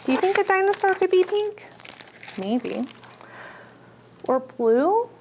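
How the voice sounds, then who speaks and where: A woman's voice: very high-pitched, very animated, takes it slowly, darkish tone, slight background noise, low-quality recording. A woman hosting a children's storytime as a librarian, reading picture books aloud in simple child-directed talk and putting questions to her little listeners.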